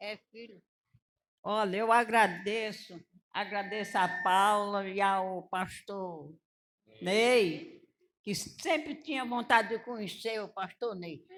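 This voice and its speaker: On a very clean recording with a silent background, a woman speaks at a very slow pace with big swings in loudness. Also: medium pitch for a woman, ordinary pitch variation. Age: 80s+. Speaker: elderly church member honored by family. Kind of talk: testimony. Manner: halting.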